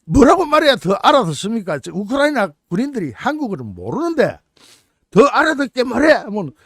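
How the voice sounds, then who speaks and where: A man's voice: high-pitched, a bit bright, no echo, clean studio sound. A man hosting his own channel, commenting on the news in a mocking, incredulous way. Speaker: political YouTube channel host.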